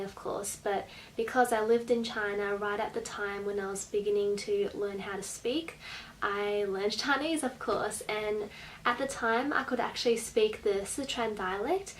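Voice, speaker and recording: A young Australian woman talks to the camera in a casual vlog style, explaining as she goes. Her pitch sits in the middle for a woman. She is recorded in a small bedroom, with faint noise behind her voice. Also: a bit bright, low-quality recording. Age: late teens to young adult. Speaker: vlogger. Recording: faint background room noise.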